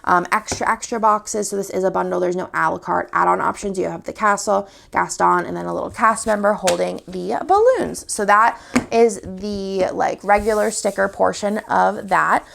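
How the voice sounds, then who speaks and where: A woman's voice: mid-range voice, normal speed, vocal fry, a bit bright, slight background noise. A young woman, chatty and upbeat, showing off new sticker products while sniffly from a cold. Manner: chatty, upbeat, walks through items one by one. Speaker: sticker shop owner. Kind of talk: casual product showcase.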